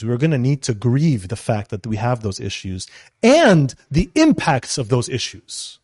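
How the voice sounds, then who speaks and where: A man's voice: a little high, darkish tone, no echo, studio quality. A man, a Christian counselor, giving an informal teaching talk to a live group, often restarting sentences and checking in with the room. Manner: halting, with many restarts and "right?" check-ins.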